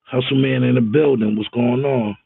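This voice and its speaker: A man's voice: mid-range voice, steady tone, normal speed, creaky, slightly rough, dry recording. A man hosting a live stream in casual chat, greeting viewers and talking in a rambling, emphatic way straight to them. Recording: tinny phone-like audio.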